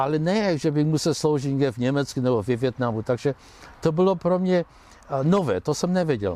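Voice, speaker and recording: This man's voice has a dark, mellow tone and fairly high pitch. He talks at a moderate pace with lively intonation. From Czech Silesia, near Opava. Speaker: emigrant telling life story. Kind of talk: interview, life story. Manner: halting, many repetitions.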